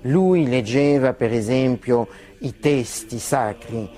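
A male professor comments on history at a slow pace. His voice is medium-pitched and mellow, over faint music. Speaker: professor interviewee.

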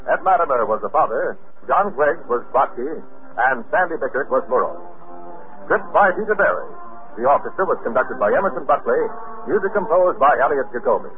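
A man reading as a scripted radio announcer in 1950s style. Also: medium pitch. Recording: hissy, narrow 1950 radio recording.

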